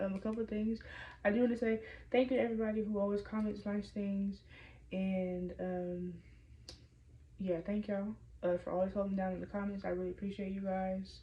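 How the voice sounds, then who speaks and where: A somewhat breathy woman speaks at a moderate pace in a monotone, flat intonation. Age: 20s. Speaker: prophetic intercessor. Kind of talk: casual spiritual message to camera.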